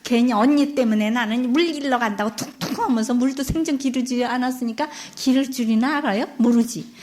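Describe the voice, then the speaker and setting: A woman's voice: on the high side, brisk, darkish tone, lightly acted. A woman voicing a spoiled, rude stepsister in a folk tale, whining and complaining. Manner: whiny, rude.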